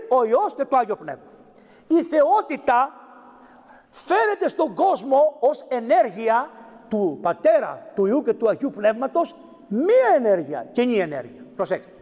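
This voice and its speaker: A priest delivers an animated sermon in a fairly high, lively voice that swings up and down. He teaches as he goes and acts out the words he quotes. His voice rings through a church with a long echo. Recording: echoey church hall.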